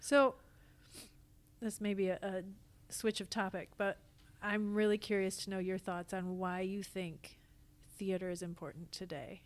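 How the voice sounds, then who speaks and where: Thoughtful woman in podcast conversation, medium pitch. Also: level tone, unhurried. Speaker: podcast guest, stage actor. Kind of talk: casual interview conversation.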